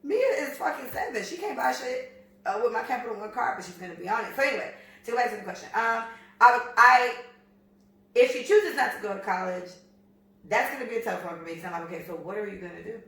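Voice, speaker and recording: An American woman in her thirties co-hosting a podcast, talking bluntly and profanely in an animated, storytelling way. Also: fairly high pitch, quick pace, far from the mic. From United States. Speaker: podcast co-host. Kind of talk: casual chat. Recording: echoey room, voice off-mic.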